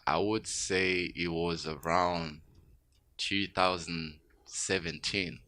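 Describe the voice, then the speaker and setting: A man from Tanzania, a guest musician, talking in a radio studio interview, reflective and growing emphatic when excited. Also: low voice, slow.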